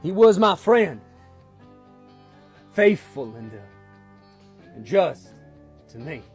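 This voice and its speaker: A man with a Southern US accent and a husky voice, reciting a Shakespeare monologue in a casual, halting way with restarts. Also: fairly high pitch, big pitch swings, faint music behind.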